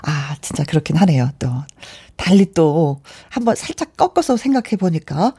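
A woman radio host with a soft, mellow tone and animated intonation, chatting conversationally through listener messages. She speaks close to a studio microphone in a dry room, with light music behind her. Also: low voice, moderate pace, breathy edge, no room sound. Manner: chatty, conversational, often breaks into giggles. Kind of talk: warm-up monologue and reading listener messages on live radio.

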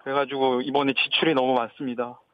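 A man's voice: mid-range voice, level tone, quick pace, no echo. A male caller on a thin phone line, speaking politely and formally as he reports to a radio show.

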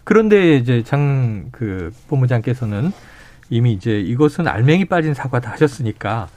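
A male talk show host moderating a political debate. He steers the guests with brisk, steady prompts. His voice sits at an ordinary male pitch.

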